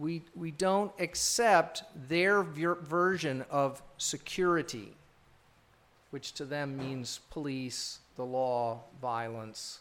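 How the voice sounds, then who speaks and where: Lively intonation marks this man's fairly high voice as he speaks at a very slow pace. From United States. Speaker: sociology professor. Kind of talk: panel discussion. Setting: bookstore with audience.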